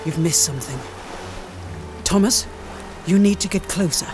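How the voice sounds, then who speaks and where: An actress playing a suspicious, commanding boss who runs spies. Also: female voice, lowish voice, moderate pace, over music, close to an everyday voice. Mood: scheming. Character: scheming female spymaster boss.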